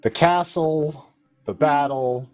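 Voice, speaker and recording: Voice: mid-range voice, slow pace, a little mellow, faint music behind. A game master narrating a tabletop role-playing game among players.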